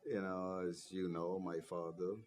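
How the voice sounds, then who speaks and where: Earnest young man with a low voice. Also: completely flat delivery, a little slow, darkish tone, slight background noise. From Guyana. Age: young adult. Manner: earnest, repeats "you know", grows passionate. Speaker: party coordinator, guest. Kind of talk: interview answers.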